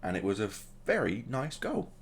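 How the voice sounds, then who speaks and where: With a medium-pitched, very animated voice at normal speed, a man runs a gaming video, casually calling the play and cracking jokes along the way. Slight background noise can be heard.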